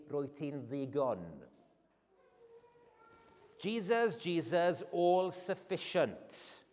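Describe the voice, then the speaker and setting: A man's voice: a little high, a little mellow. A man with a Welsh accent preaching an earnest evening sermon in a church as a guest preacher. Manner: earnest, emphatic, rising on key phrases. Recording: long church reverb.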